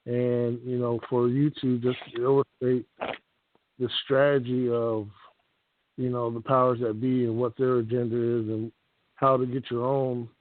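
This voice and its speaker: A man's voice: medium pitch, flat delivery, measured pace. A man from California calling in to a radio show over a clipped phone line, earnest and grateful, searching for his words. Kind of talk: casual call-in chat. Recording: tinny, dry phone line.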